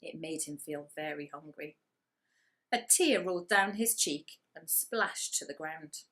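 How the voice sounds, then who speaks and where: A woman reading a children's story aloud with expressive narration and dramatic emphasis on key words. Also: sits low, measured pace.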